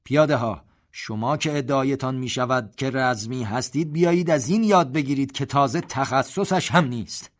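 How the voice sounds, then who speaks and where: A man voicing a proud, white-haired army general who gives orders in a raised, loud voice. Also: mid-range voice, pitched above the performer's own voice, lightly acted. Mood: commanding.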